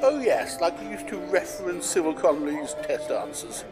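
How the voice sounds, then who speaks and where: A touchy literary gentleman in a comedy audio drama. His voice sits rather high and swings in animated fashion, sardonic and bookish, over clear music. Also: normal speed. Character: Aldous Huxley, touchy, witty literary gentleman.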